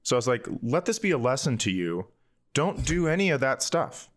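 A man's voice: mid-range voice, very animated, brisk. A man co-hosting a podcast in a casual, comedic chatting style. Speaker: podcast co-host.

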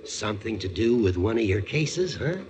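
An American actor playing a trusting, friendly older small-town gentleman in a 1940s radio drama. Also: fairly low pitch, animated, moderate pace, natural voice. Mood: genial. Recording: noisy vintage radio drama recording.

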